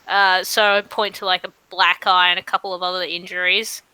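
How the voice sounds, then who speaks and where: A woman voicing an aggrieved teenage adventuring-school student in a tabletop game, complaining earnestly and haltingly. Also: on the low side, little pitch movement, pushed and bright, smooth, dry recording, voice pushed down, poor audio. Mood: indignant.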